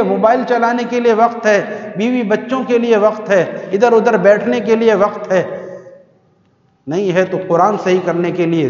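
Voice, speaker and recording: A man from Pakistan preaching a sermon to worshippers in a mosque, conversational with rhetorical questions, sometimes reciting verses in a slow melodic chant. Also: high voice, darkish tone. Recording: echoey hall, muffled sound.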